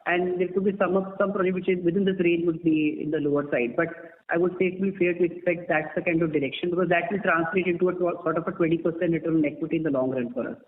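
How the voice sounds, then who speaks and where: A man with an Indian accent, a company executive answering investors in measured corporate speech peppered with "you know", over a tinny conference line. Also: fairly high pitch, steady tone. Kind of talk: earnings call answers. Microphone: telephone.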